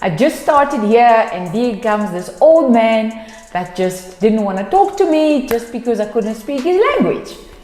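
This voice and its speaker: Amid noticeable background noise and audible room echo, a woman with a fairly high voice speaks at a moderate pace with lively intonation. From Bulgaria. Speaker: car sales manager. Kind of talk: interview.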